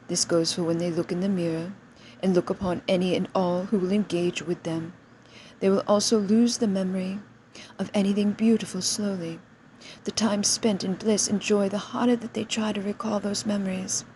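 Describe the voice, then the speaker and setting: A woman's voice: mid-range voice, darkish tone. A woman delivering a channeled spiritual message as a trance medium, in a solemn, stilted seance manner. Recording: background noise.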